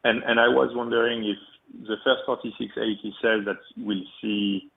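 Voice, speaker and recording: A man's voice: on the low side, fairly even intonation, normal speed, gravelly. A man calling in as an analyst to put questions on an earnings call, over a tinny phone line. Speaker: caller asking questions, analyst.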